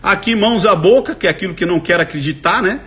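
A Brazilian man giving excited live commentary as a body language analyst, breaking into sudden shouts. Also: high-pitched, quick pace. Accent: Brazilian Portuguese.

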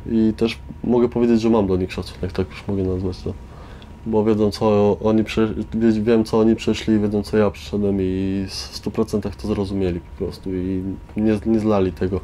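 A man's voice: fairly low pitch, normal speed. A young man giving a casual, informal personal account, correcting himself as he goes. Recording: some steady background noise.

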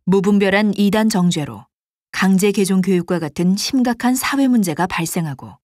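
A woman reading scripted documentary narration in a formal, measured manner. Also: mid-range voice, expressive, a little mellow, dry recording, clean studio sound, natural voice.

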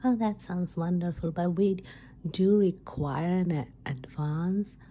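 A woman playing an obliging receptionist at a wellness retreat in an ASMR role play, whispering haltingly. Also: on the low side, muffled recording. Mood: pleased, helpful. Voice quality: breathy whisper. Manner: halting, unhurried explaining.

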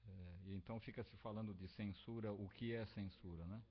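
An older Brazilian man talks at a studio microphone in a small home room, in a rambling, reflective, unhurried monologue. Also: fairly low pitch, steady tone, husky. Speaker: home radio host and musician. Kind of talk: casual spoken monologue. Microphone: large studio microphone close up. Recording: dull lo-fi webcam recording with loud music.

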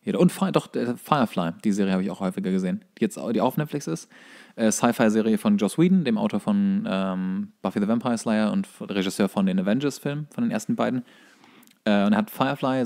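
A man's voice: lowish voice, a little fast, creaky, darkish tone. A man, a podcast co-host, chatting casually about films and series. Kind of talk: casual film and series chat.

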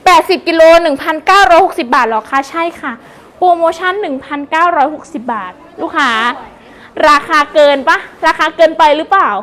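A woman selling on a live stream with fast, excitable hype, gushing and repeating prices while chatting to customers. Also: very high voice. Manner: chatty, addresses viewers with polite endearments. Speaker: live-stream seller of wholesale second-hand clothing.

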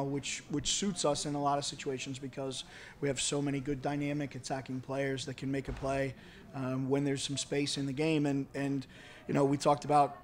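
A middle-aged man, a college soccer head coach, giving measured, halting remarks at a post-match press conference. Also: on the high side. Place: indoor press conference room, seated at table. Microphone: handheld-style microphone on table stand.

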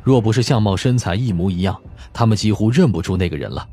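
A man's voice: lowish voice, lively intonation, fast, warm tone, soft background music. A man narrating a scripted audiobook story as its narrator.

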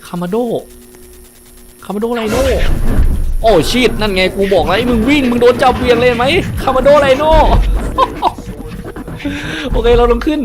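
A man's voice: very high-pitched, a little fast, music in the background. A man commentating a live game stream, yelping and exclaiming often as he plays, then thanking his viewers. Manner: excitable, yelps and exclaims often. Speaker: gaming streamer.

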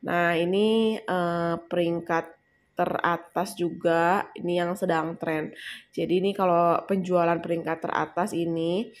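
A young woman casually walking viewers through trending online shop products, chatty and addressing them as guys. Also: fairly low pitch. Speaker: affiliate marketing vlogger. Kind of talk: casual screen-recording walkthrough.

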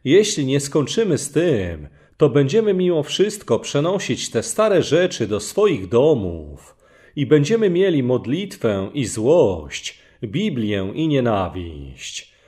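A man preaching a sermon slowly and emphatically, reading Bible passages aloud as he goes. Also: medium pitch, very animated, mellow.

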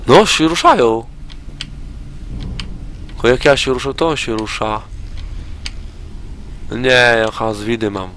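A man's voice: mid-range voice, fairly even intonation, normal speed, pauses often, fairly bright tone, slight background noise. A drunk man rambling and swearing as he comments on a zombie game he is playing. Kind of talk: profane let's play commentary.

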